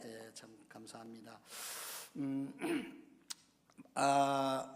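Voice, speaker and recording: A man in his fifties, a visiting missionary preacher, delivering a sermon in a church with a slightly hoarse throat, halting with many fillers and joking asides. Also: medium pitch. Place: church sanctuary. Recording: long church-hall reverb.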